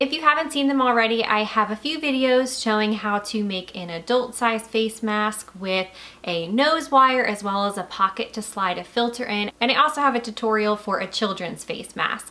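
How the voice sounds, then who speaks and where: A woman at a moderate pace with ordinary pitch variation and hardly any pauses. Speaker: sewing tutorial creator. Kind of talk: casual vlog chat. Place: home room.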